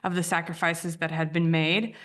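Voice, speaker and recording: Romanian-born woman in her 30s, first language romanian, lowish voice, thinks out loud and keeps repeating herself. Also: level tone, normal speed. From Romania, raised in the US. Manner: thoughtful, repeats and restarts phrases. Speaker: guest, branding editor. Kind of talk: reflective podcast interview.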